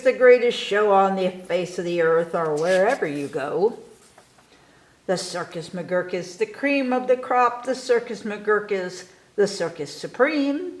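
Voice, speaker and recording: A woman voicing a boastful, excitable young boy showman in a storybook, with grandiose carnival-barker delivery. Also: a little high. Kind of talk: storybook read-aloud. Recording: echoey room.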